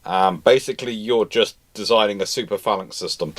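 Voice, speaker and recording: A man hosting an off-the-cuff history discussion, halting and self-correcting as he argues his points. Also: on the low side, slight background noise. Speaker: live-stream host answering viewer questions.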